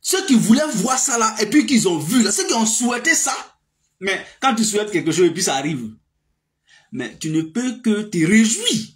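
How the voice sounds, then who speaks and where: A man's voice: sits high, big pitch swings, moderate pace, fairly bright tone. A man, giving a casual political monologue with many fillers and emphatic outbursts. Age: 30s. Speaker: political commentator.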